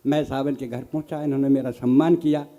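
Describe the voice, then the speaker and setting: A man's voice: medium pitch, fairly even intonation, fast talker, warm tone, highs cut off. An older man, a comic poet telling teasing folksy stories on stage. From Bharatpur district, Rajasthan. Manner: folksy, teasing storyteller, addresses audience as sahib. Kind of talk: stand-up comic poetry recital. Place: live poets' gathering stage.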